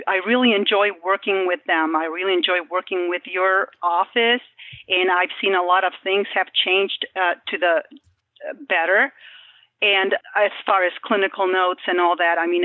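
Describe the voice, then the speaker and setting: A woman's voice: lowish voice, dry recording. A woman guest who works as a dental billing specialist, talking in a friendly, chatty way with fillers over the phone. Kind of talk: casual interview podcast. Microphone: telephone. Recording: tinny phone line.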